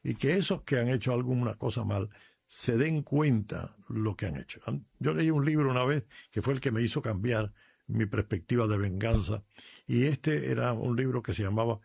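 Padre cubano con acento cubano, cuenta historias con énfasis, voz áspera. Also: male voice, medium pitch, moderate pace, vocal fry, a little mellow, breathy edge, dry recording. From Cuba. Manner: earnest, emphatic, tells personal stories. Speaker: priest, regular guest. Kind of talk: radio chat on faith.

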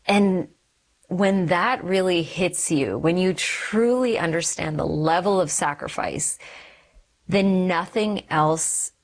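A woman in her forties with a notably low voice shares her faith testimony as an interview guest. She speaks in an earnest, reflective and measured way, as a physician from Canada telling her story.

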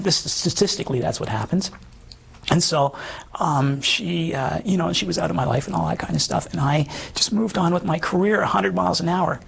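A man around fifty with a hoarse, damaged voice, earnestly telling his life story as an interview guest, halting and full of restarts. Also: on the high side. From Canada. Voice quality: hoarse, gravelly voice. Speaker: guest sharing his testimony. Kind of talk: personal testimony in conversation.

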